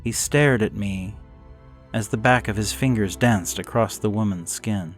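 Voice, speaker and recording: A man narrating a gothic horror story in the first person, with somber, measured, suspenseful dramatic delivery. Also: lowish voice, faint music behind.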